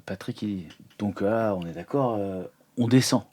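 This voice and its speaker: A man's voice: fairly low pitch, moderate pace, warm tone. A man playing a tabletop game, improvising his actions in casual talk. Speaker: tabletop role-play player. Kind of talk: casual improvised role-play.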